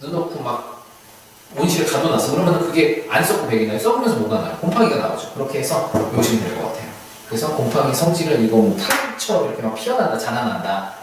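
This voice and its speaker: A male instructor teaching hanja certification speaks in an online video lecture with a medium pitch, big pitch swings, and a quick pace. Chatty, he keeps posing questions to students and answering them himself. The recording is echoey, with a distant mic and faint hiss.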